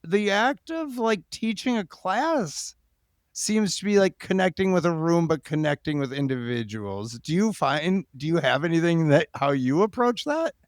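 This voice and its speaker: A man hosting a casual interview podcast, informal and halting as he thinks aloud. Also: fairly high pitch, expressive, no room sound, clean studio sound. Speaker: podcast host.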